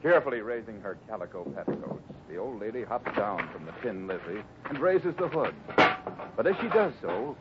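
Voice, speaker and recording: A man's voice: lowish voice, sing-song, fairly quick. A man narrating a 1950s radio adventure in a dramatic announcer style. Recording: muffled, clearly noisy 1950s radio recording.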